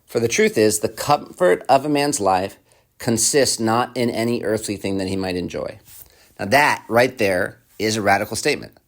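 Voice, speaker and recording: A pastor delivering a sermon in an easy, talky style. His voice sits on the low side, and he keeps turning to the listener with questions. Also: animated, moderate pace. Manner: conversational, asks the listener repeated questions.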